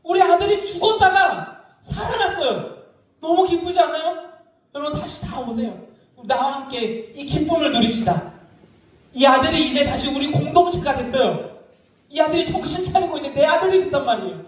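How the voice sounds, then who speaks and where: A man's voice: very high voice, animated, fairly quick, pitched above the performer's own voice. A man doing an overjoyed, exclaiming father. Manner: exclaiming, jubilant, loud invitations. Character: overjoyed father calling guests to a feast. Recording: echoey church hall, mic far off.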